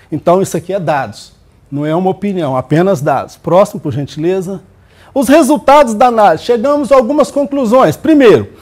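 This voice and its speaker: A man's voice: sits high, a little mellow. A man with a Brazilian accent delivers an academic research presentation. He speaks like a student presenter explaining to listeners, didactic and emphatic. Key points get stated and then repeated for weight.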